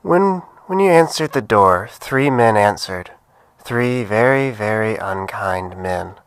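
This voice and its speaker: A man playing a controlled, sinister, condescending kidnapper in an audio drama, speaking deliberately, coaxing and threatening. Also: lowish voice, lively intonation, clear, resonant tone, dry recording. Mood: sinister teasing.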